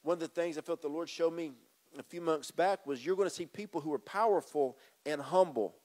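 Pastor guy preaching on stage, handheld mic, a bit high-pitched, keeps repeating himself for emphasis. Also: fairly quick, darkish tone. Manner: emphatic, repeats phrases, addresses congregation directly; moves about the stage and gestures. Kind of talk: sermon. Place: church stage with drum kit.

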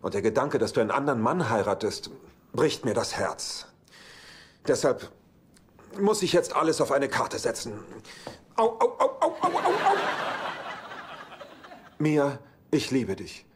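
An actor in a German sitcom dub playing a heartbroken, impulsive womanizer with a halting, dryly flippant way of talking. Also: medium pitch, sing-song. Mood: earnest, then distraught. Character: heartbroken, wisecracking womanizing bachelor, impulsive and self-pitying. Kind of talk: German-dubbed sitcom acting.

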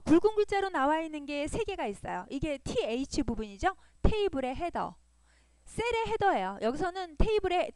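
Patient, lively-pitched woman teaching. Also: dry recording. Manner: patient, repeats points and checks in with "그죠?". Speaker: web design instructor. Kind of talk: screen-recorded coding tutorial.

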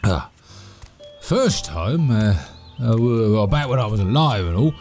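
Rambling, animated British manor servant. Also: male voice, fairly low pitch, measured pace, faint music behind. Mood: wry, nostalgic. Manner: rambling, stammering, chuckling. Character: chatty, cheerful, oft-killed manor servant named Todd. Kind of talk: audio drama monologue.

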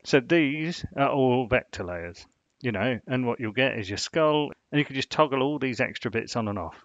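A man's voice: medium pitch, animated, moderate pace, a bit bright, no room sound. A man hosting a casual screen-share design tutorial, rambling and filling gaps with "you know". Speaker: design channel host. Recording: dull, dry lo-fi sound.

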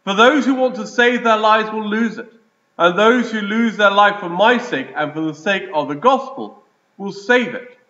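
A man, a priest, reading the gospel and preaching in a measured liturgical way, his voice ringing with the echo of a large church. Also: high-pitched, animated, bright, forceful tone. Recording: echoey church, dull lo-fi sound.

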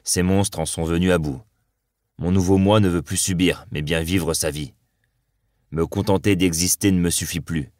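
A man reading the lines of a weary policeman in love, quiet and resolute, in an audiobook. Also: low-pitched, steady tone, moderate pace, dry recording, studio quality, close to an everyday voice. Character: weary male cop torn between two women.

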